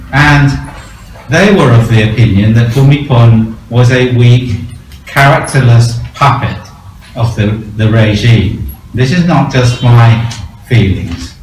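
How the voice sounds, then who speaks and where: A man's voice: medium pitch, a little mellow, a little hiss or hum. A man on a seminar panel debating, firm and argumentative, with many ums and restarts. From Thailand. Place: seminar hall. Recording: echoey hall, far from mic.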